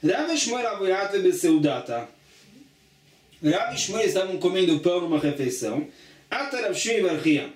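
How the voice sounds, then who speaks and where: A man's voice: sits high, big pitch swings, moderate pace. A man teaching a Talmud lesson, reading a line of the text aloud and then explaining it step by step. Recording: echoey room, voice from a distance.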